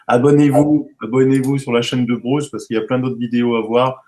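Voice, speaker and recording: French host, encouraging and friendly. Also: male voice, mid-range voice, level tone, a little fast, warm tone. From France. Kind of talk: casual video call chat.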